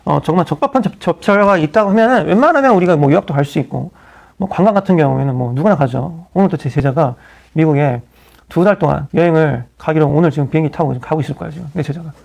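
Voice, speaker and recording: A middle-aged male pastor gives a lively, chatty sermon, tossing in asides and little acted-out quotes. He talks very fast in a fairly high voice with a gravelly rasp. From South Korea. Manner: animated, conversational preaching with frequent asides and acted-out quotes.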